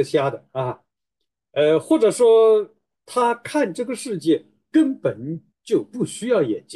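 A very slow-paced man's voice with a dark, mellow tone and very wide pitch swings over a quiet background. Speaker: professor. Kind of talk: lecture. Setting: video call. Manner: halting. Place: studio.

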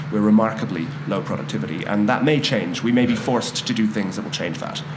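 Talking at a very fast pace with lively intonation, this man is heard against noticeable background noise. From Ireland. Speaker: think tank director; conference speaker. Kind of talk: conference speech. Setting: stage with audience. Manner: hesitant, many fillers. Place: hall. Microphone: podium.

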